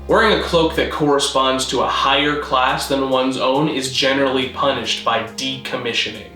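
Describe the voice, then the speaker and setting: A man narrating a scripted mock-documentary explainer in a formal, measured, deadpan manner. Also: mid-range voice, echoey room, faint music behind. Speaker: presenter of a constructed-language video.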